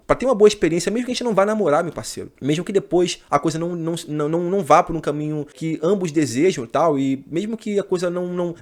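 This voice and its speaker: Fast-talking Brazilian man in his thirties. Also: a little high. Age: 30s. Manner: slangy, addresses viewers as brothers. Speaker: channel host. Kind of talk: casual monologue to camera.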